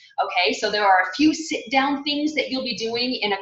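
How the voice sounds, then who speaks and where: Lively in intonation, a woman talks at a very fast pace. Background noise is noticeable. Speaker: life coach. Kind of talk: group coaching call. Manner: animated.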